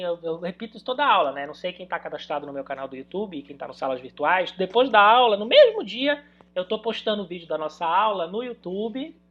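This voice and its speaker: A woman talks at a fairly quick pace with lively intonation. Hers is a normal speaking voice, medium in pitch. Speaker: law lecturer. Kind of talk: online lecture. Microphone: poor internet connection.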